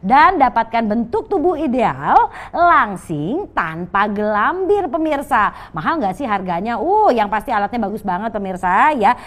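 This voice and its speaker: A woman with an Indonesian accent and a distinctly high voice delivers an infomercial pitch. She presents like a home shopping host, pressing viewers to order and speaking to them directly. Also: very animated, measured pace, a bit bright. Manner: persuasive, urging, addresses viewers repeatedly.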